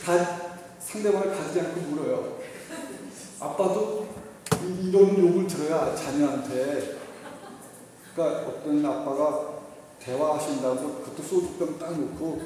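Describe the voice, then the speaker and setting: Male teacher, lively parent lecture, slightly high voice, distant mic in a reverberant hall, faint noise. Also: measured pace, pauses often. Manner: animated, acts out shouted quotes and leads the audience. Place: school hall.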